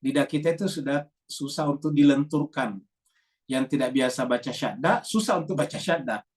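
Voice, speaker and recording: A man's voice: medium pitch, moderate pace, far from the mic. Man lecturing from away from the mic. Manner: explanatory, repeats key words with a stretched "ya". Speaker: Islamic teacher. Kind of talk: religious lecture to a congregation.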